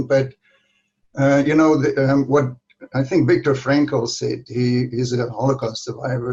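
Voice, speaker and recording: A man speaks at a moderate pace in a somewhat breathy, medium-pitched voice with monotone, flat intonation. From South Africa. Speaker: pediatrician and author. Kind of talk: podcast interview. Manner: halting, many fillers.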